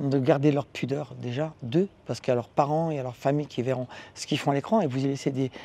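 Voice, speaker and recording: A man's dark, mellow tone at a fairly quick pace with fairly even intonation. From Morocco (Meknes). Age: 60s. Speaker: actor. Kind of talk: interview. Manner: hesitant, many fillers.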